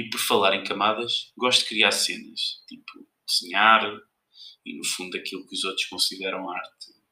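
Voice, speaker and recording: A man speaks at a fairly slow pace. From Portugal, Lisbon. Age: 20s. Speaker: podcaster. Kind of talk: casual monologue. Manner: halting. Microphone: poor sound quality.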